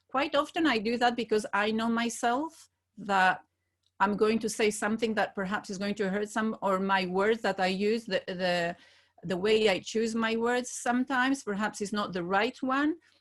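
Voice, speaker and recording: A woman speaks at a moderate pace in a fairly high pitch. Her pitch varies in an ordinary way, and the background is quiet. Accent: non-native. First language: not English. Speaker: church member. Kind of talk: church panel discussion. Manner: halting.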